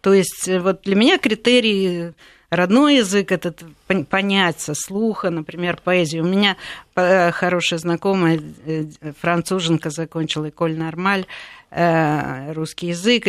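A woman's voice: on the low side, normal speed, no room sound. Hesitant older woman from Latvia, dry sound. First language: Russian. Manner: hesitant, many fillers and restarts. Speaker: politician. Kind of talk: conversational interview.

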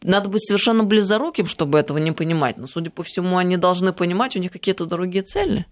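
A woman's voice: lowish voice, quick pace. A woman hosting a political talk show, speaking in an emphatic, indignant way.

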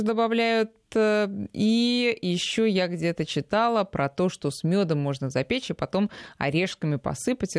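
A woman hosting a radio show, reading out listener letters in a brisk, conversational way with filler sounds. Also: lowish voice, no room sound, studio quality.

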